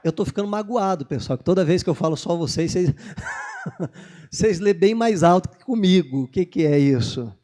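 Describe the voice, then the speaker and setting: A man's voice: high voice, moderate pace. A man preaching a sermon as pastor, joking with the congregation and acting out Bible dialogue. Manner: lively, jokes with the congregation, acts out Bible dialogue.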